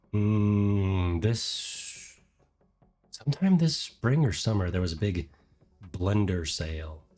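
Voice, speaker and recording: A man with a fairly low pitch and lively intonation, at a very slow pace with long, frequent pauses, over music in the background. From US Midwest, rural. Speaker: VTuber streamer. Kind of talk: casual live-stream chat. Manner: rambling with fillers and self-corrections.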